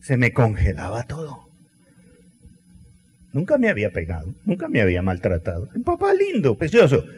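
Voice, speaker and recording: A middle-aged man preaching a sermon, telling stories with acted quotes and dramatic pauses. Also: lowish voice, huge pitch swings, darkish tone, a little hiss or hum. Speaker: pastor. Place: large church hall. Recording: long church hall reverb.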